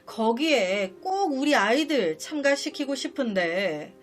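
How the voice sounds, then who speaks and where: Indignant woman storyteller, lively pitch. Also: slow. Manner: indignant, talks straight to viewers. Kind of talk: dramatic true-story narration.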